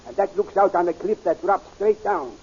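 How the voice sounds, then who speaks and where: A man's voice: high voice, fairly even intonation, normal speed, a little mellow, breathy edge. An actor playing a grave, fatherly older scientist with formal, stilted phrasing in a 1930s radio serial. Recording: muffled 1930s radio recording.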